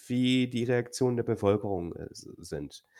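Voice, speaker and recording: This is a man with an unremarkable speaking voice at medium pitch. The recording is very clean, the background silent. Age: 30s. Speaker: podcast co-host. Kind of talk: casual chat. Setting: home kitchen.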